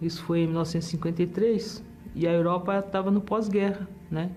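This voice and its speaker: Over background music, a woman talks very fast at medium pitch with monotone, flat intonation. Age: 70s. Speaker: church member giving testimony. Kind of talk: testimony.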